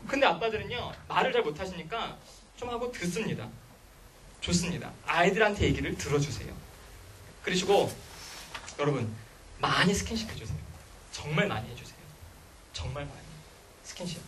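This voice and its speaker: A man's voice: high voice, lively intonation, moderate pace, long pauses, fairly bright tone, slight background noise. A man giving a public lecture on parenting to a room of parents, firing rhetorical questions at the audience. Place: school lecture hall. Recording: voice picked up from a distance.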